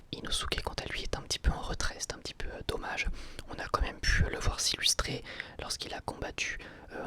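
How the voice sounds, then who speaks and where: A man giving an ASMR review in a breathy, voiceless whisper, enthusiastic, often repeating words as he searches for phrasing. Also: fairly high pitch, a bit bright. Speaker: ASMR video creator reviewing anime.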